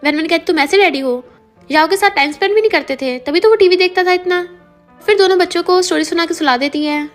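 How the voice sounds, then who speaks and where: A woman's voice: extremely high pitch, quick pace, faint music behind. A woman narrating a drama recap, retelling each scene and quoting the characters' lines in her own voice. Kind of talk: scripted story narration.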